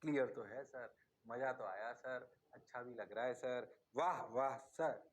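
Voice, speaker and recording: A man's voice: medium pitch, unhurried, pitched below the performer's own voice, natural voice. A man doing a meek, whispery student. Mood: sheepish. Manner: deferential, adds "sir" to every phrase. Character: meek young male student, awed, hesitant.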